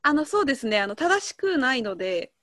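A woman's voice: high-pitched, sing-song, a bit bright, no room sound, clean studio sound. Laughing Kansai woman explaining slang. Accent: Kansai Japanese. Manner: laughs often, explains words slowly with examples. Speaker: podcast co-host teaching Japanese slang. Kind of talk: casual chat lesson.

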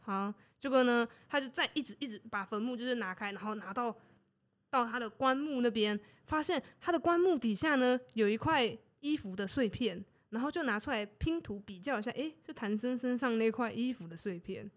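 A woman tells an old tale as a podcast co-host. She chats casually, slipping into playful acted voices for the characters. Her voice sits a little high. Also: fairly quick. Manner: lively, acts out characters' lines with laughs. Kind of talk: casual storytelling chat.

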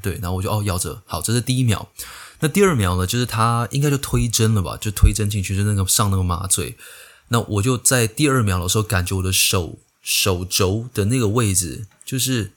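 Animated young man telling a story. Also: brisk. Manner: animated, acts out dialogue with pitch jumps, mixes in English phrases. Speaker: podcast host. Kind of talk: casual storytelling monologue. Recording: slightly poor audio quality.

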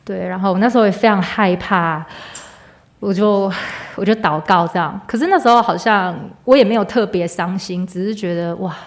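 Woman, 30s, Taiwanese Mandarin accent; church member sharing a personal testimony in relaxed, chatty storytelling. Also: mid-range voice. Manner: conversational storytelling, filler "dui" and pauses.

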